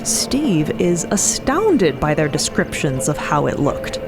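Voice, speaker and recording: A woman's voice: low-pitched, very animated, slow pace, over music. A woman narrating scripted audio fiction as one of its storytellers. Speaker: narrator and co-host.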